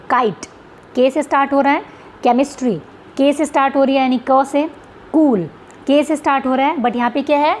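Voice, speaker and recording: A woman's voice: high-pitched, a little hiss or hum. A woman teacher explaining English sounds in an exam-prep lesson, checking in with her students and asking rhetorical questions as she goes. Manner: reads English questions slowly.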